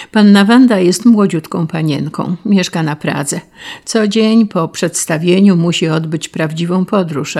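A woman narrating a story in a measured, wry reading voice. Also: fairly low pitch, gravelly, a little mellow.

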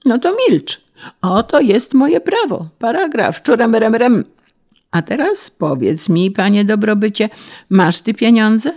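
A woman voicing a bullying, shouting male district official, speaking with contempt. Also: sits high, very animated, unhurried, pitched above the performer's own voice, exaggerated voice. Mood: domineering. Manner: barking, contemptuous.

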